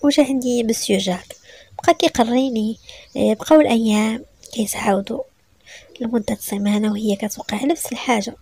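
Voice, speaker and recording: Fast, gravelly Moroccan woman storyteller. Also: on the high side, darkish tone, dry recording. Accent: Moroccan Arabic. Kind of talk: first-person story narration.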